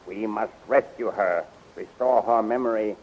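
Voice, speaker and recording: Low-voiced scheming general. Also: male voice, unhurried. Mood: indignant, plotting. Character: scheming, resentful male army general, gruffly indignant. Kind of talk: 1930s radio serial acting. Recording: dull, hissy 1930s radio recording.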